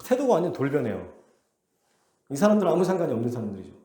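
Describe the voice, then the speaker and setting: Man, pastor, sermon, animated storytelling, slightly high voice, echoey church room. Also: rapid-fire. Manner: asks the congregation questions. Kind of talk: expository sermon. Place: church sanctuary.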